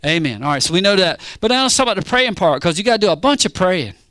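Conversational preacher man, slightly high. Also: sing-song, pushed and bright, no echo. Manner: conversational, keeps checking in with the congregation; reads scripture slowly and deliberately. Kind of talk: sermon.

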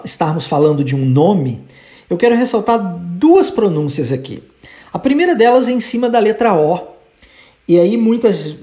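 An English teacher with a Brazilian Portuguese accent, patiently explaining pronunciation and drilling short phrases slowly and repeatedly in a language lesson podcast. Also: medium pitch, warm tone.

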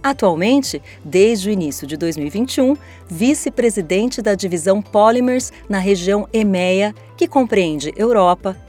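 Female podcast host, Brazilian accent, mid-pitched, formal scripted read, articulate, music underneath. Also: darkish tone.

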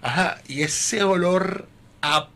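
A man, a podcast guest chatting casually and telling an animated story full of acted-out voices. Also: high-pitched, slow pace. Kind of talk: casual chat.

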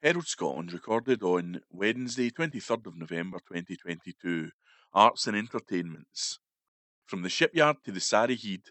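Low-voiced man reading a news feature. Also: a bit bright, dry recording. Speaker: newspaper article reader. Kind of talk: read-aloud news feature.

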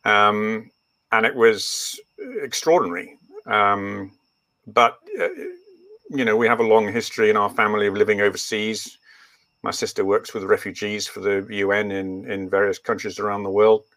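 An older man, raised in East Africa with Swahili as his first language, recounts his past in a rambling way, full of ums and false starts. His voice is somewhat low and bright. The sound is dry and close. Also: little pitch movement, normal speed, no echo. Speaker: guest, veterinarian. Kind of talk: relaxed interview storytelling.

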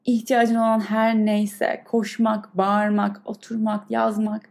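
A woman's voice: medium pitch, monotone, takes it slowly, gravelly, darkish tone. A woman speaking earnestly and thoughtfully, with small halts, like a podcast host leading a reflective meditation talk.

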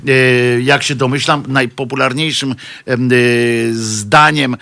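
A man's voice: medium pitch, steady tone, slow, vocal fry, sharp tone. A man giving casual satirical commentary as a regular on a weekly show. He rambles and hesitates with many restarts, mocking news stories with dry sarcasm. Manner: mocking the press and clergy with dry jokes.

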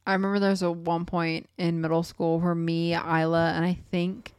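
A woman co-hosts a casual podcast late at night, sounding tired and sleepy. Her voice sits a little low and comes across smooth and clear. The sound is dry and close. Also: level tone, normal speed, darkish tone, no echo. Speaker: podcast co-host. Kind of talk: casual chat.

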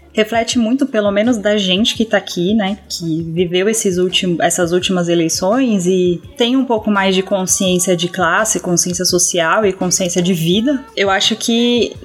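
A woman's voice: mid-range voice, fairly even intonation, normal speed, slightly rough, faint music behind. A woman from São Paulo chatting casually in a group discussion, ironic and talkative. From São Paulo, Brazil. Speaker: discussion participant.

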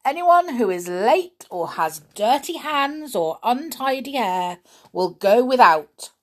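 A woman's voice: a little high, sing-song, takes it slowly, pitched above the performer's own voice, heavily acted. A woman voicing a stern, bossy male schoolmaster who roars his orders. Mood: roaring. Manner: shouting, barking orders.

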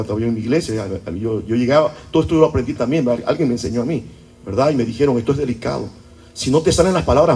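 A man's voice: medium pitch, a little mellow. A pastor preaching a sermon to his church, often throwing rhetorical questions at the congregation. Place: church service.

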